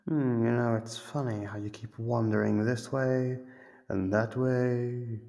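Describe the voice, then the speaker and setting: A man playing a sadistic, playfully menacing monster captor in an ASMR horror roleplay, with a gravelly, husky voice and a slow, teasing delivery. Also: medium pitch, fairly even intonation, warm tone. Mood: taunting, amused.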